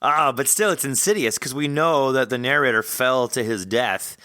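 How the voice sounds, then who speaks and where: A man hosting a casual podcast interview, chatty and animated as he talks. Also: mid-range voice, normal speed, smooth, no room sound, clean studio sound. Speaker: podcast host interviewing an author.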